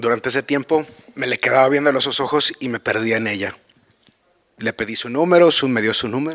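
The man here has an unremarkable speaking voice with ordinary pitch variation and a fairly quick pace, recorded with a dry, close sound and no echo. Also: medium pitch for a man. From Los Angeles area, US (born in Guadalajara). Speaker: US army veteran. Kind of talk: live storytelling. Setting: stage with audience.

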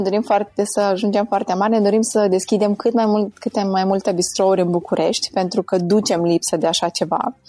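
Her tone is dark and mellow, at a medium pitch. The woman talks at a moderate pace with fairly even intonation. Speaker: vegan chef and food blogger. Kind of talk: casual interview.

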